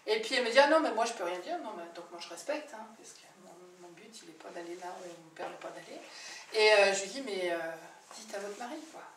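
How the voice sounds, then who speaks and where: A woman therapist telling client stories in a chatty, animated way, with many fillers and restarts. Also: mid-range voice, a little fast. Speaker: birth-history therapist. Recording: roomy, distant mic with faint background noise.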